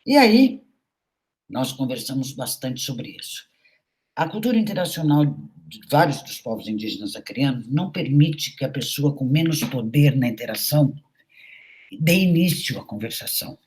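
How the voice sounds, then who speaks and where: A woman's voice: extremely low pitch, expressive, moderate pace, darkish tone. Conversational middle-aged woman lecturing. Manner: anecdotal storytelling, conversational tags. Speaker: university professor. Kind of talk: recorded lecture.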